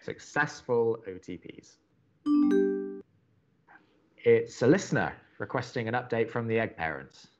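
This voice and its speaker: A man's voice: medium pitch, animated, measured pace, pauses often, muffled recording, loud music behind the voice, close to an everyday voice. A man playing an upbeat, chatty young college radio co-host in an audio romantic comedy, earnest and wry. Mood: playful.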